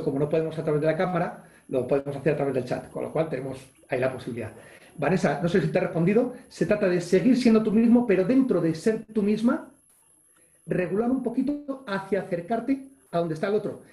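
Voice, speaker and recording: Energetic Spanish coach in an echoey room. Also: male voice, high-pitched, fast talker. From Spain. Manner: energetic, acts out gestures and exclamations, reads chat questions aloud. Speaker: coach and webinar speaker. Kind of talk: live online leadership webinar. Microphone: video call.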